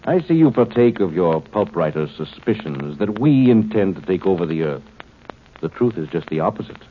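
Casting: lofty alien overlord in old radio sci-fi, deep voice, formal, patronizing, thin hissy sound. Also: male voice, sing-song. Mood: condescending. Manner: formal, condescending, measured explanations. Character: coolly superior alien commander posing as a human man. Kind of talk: 1950s radio drama acting. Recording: tinny, noisy 1950s radio recording.

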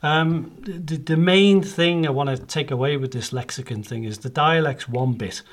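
A man's voice: a little high, normal speed. A man from Liverpool with a Scouse accent, co-hosting a podcast in a jokey, casual way with many ums. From Liverpool, England. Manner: jokey, self-deprecating, hesitant with ums. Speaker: podcast co-host. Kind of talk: casual chat.

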